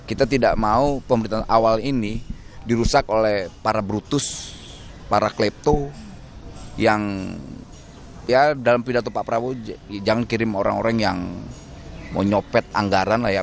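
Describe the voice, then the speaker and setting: A man's voice: lowish voice, normal speed, long pauses, slight background noise. A man answering reporters in casual, blunt, joking slang at a doorstop interview. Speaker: political appointee speaking to press.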